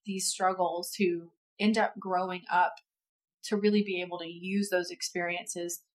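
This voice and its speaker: A woman's voice: on the low side, level tone, a little slow, rough recording. A woman in her thirties co-hosting a casual podcast chat, supportive and reflective, often finishing her partner's thoughts. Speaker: podcast co-host.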